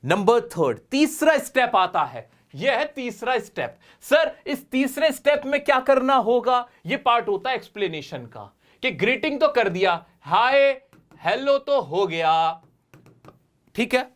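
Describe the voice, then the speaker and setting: A man teaching spoken English in a lively, coaxing classroom manner. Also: very high voice, a little slow. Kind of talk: classroom lesson.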